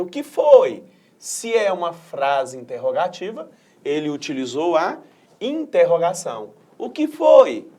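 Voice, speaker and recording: A male teacher with a Brazilian Portuguese accent walks through a recorded adult-education lesson. His voice sits somewhat high for a man. He explains patiently and keeps checking in with short tag questions.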